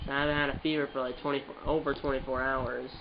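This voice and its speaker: A man's voice: mid-range voice, little pitch movement, quick pace. Stuffed-up man calling game plays. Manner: rambling, with restarts and play-by-play calls. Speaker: gaming channel host. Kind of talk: casual game commentary. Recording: muffled with background noise.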